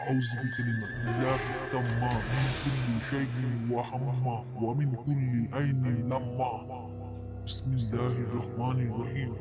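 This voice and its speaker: A man's voice: mid-range voice, lightly acted. Man as a stern, pious cartoon cleric. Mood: solemn prayer. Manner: admonishing, with chanted prayer. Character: stern, pious male madrasa cleric banishing jinns. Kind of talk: scripted cartoon acting.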